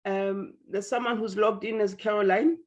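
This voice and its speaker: A woman's voice: medium pitch, fairly even intonation, moderate pace. A woman hosting an online meeting, chatty and apologetic, teasing speakers and stumbling over restarts. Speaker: meeting host. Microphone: video call. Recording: dull lo-fi call audio.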